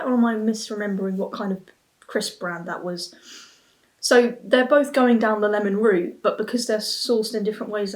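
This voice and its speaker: A woman in her twenties giving a casual review to camera, musing and often restarting her thoughts. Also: mid-range voice. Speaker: beer and snack reviewer. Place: small plain room at home, seated at a table.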